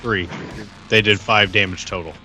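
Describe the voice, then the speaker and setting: A man's voice: on the low side, steady tone, moderate pace. A man chatting casually as a player during a tabletop role-playing game. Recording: loud music over the voice.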